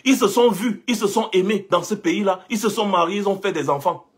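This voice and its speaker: Young Cameroonian man, high husky voice, insistent rhetorical commentator. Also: a little fast. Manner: rhetorical and insistent, repeats his points. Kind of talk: impassioned monologue.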